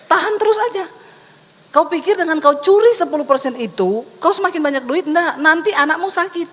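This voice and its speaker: A woman pastor preaching an animated sermon, teasing the congregation with rhetorical questions. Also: very high voice, fairly quick. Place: large church hall. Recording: long reverb of a large hall.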